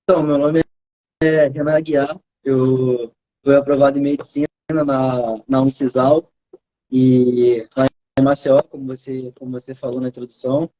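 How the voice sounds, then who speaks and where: A young man in his twenties with a Carioca accent, a student answering interview questions over a video call in a soft-spoken, modest way. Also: mid-range voice, little pitch movement, moderate pace, highs cut off. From Rio de Janeiro, Brazil. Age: 20s. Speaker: student approved in medicine.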